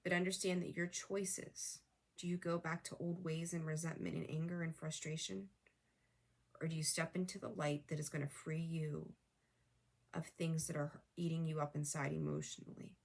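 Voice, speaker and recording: A middle-aged woman with a slightly low voice gives a casual tarot reading to her viewers. She coaches them earnestly, repeating her points over and over. Her voice is wearing thin, and she clears her throat now and then. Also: little pitch movement, normal speed. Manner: earnest, repetitive coaching, talks straight to viewers. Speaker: tarot reader.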